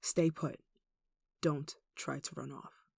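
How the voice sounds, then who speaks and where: Casting: woman to play possessive yandere kidnapper for ASMR roleplay, lowish creaky voice, sweetly menacing and coaxing. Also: fairly even intonation, slow, a little mellow, no room sound, studio quality, exaggerated voice. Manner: cooing, coaxing, with sighs and giggles. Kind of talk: intimate ASMR roleplay acting.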